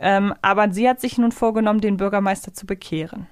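A woman's voice: mid-range voice, fairly even intonation, fast talker, clean tone, no room sound, studio quality. A woman co-hosting a casual review podcast, rambling and correcting herself as she goes. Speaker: podcast co-host.

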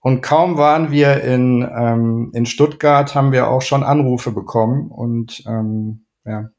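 A man's voice: mid-range voice, steady tone, slow, a little mellow. A middle-aged man from Düsseldorf, talking casually as a podcast guest, with many fillers and restarts. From Düsseldorf, Rhineland. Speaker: guest, ad man and gallery owner.

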